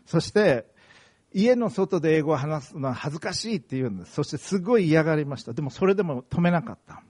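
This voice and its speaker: A man's voice: a little high, expressive, fast, a little mellow, slightly rough. A middle-aged man from Okayama preaching a sermon, earnest and emphatic, telling personal stories. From Okayama, Japan. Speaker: pastor.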